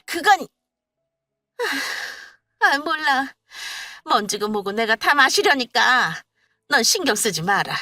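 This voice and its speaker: A woman's voice: sits high, very animated, slow pace, long pauses, sharp tone, no echo, pitched above the performer's own voice, full character voice. A woman voicing a stubborn, self-pitying older mother-in-law who whines and scolds. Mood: grumbling. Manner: whiny, scolding, later pleading.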